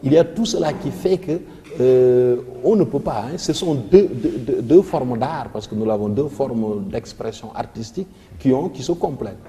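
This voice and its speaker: A man with a Senegalese French accent, a teacher explaining poetry and rhythm on a televised revision lesson, reciting lines of verse slowly. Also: medium pitch, expressive, warm tone, in a large hall. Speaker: literature teacher.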